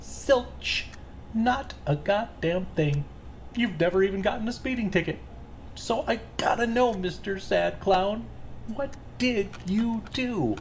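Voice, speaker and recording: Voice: medium pitch, slow. An actor in an audio drama playing a chatty, self-righteous serial killer who believes angels guide the work, with a breezy, casual manner. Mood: breezy, boastful. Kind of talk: full-cast audio drama acting. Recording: faint background noise and ambience.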